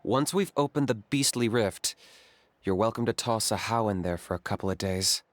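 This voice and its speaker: A man playing a calm, practical young tribal hunter in a video game, with a dry, matter-of-fact delivery. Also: on the low side, normal speed, close to an everyday voice. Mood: businesslike. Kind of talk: video game character acting. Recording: game music behind the voice.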